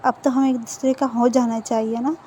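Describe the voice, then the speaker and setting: A woman voicing a calm, gentle young man who speaks softly and coaxingly to his spouse. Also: on the high side, moderate pace, a little hiss or hum, natural voice.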